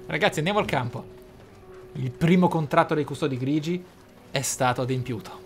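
A man with a slightly high voice talks a little fast while hosting a role-playing let's play. Over game music, he reflects aloud and tosses in theatrical exclamations.

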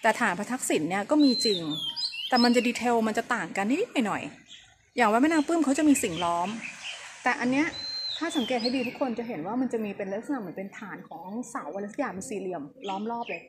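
A woman's voice: on the high side, animated, fast talker. A woman giving a chatty walking tour outdoors and keeping her voice down. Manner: chatty, speaks softly and keeps her voice down. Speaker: travel vlogger touring a temple. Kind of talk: casual guided tour talk. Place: outdoors at a temple on an overcast day. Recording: noisy outdoor recording.

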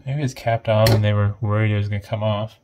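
A man giving casual, off-the-cuff narration of an electronics teardown, thinking aloud in a hesitant, low-key way. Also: flat delivery, fast, background noise. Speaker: host of an electronics teardown video.

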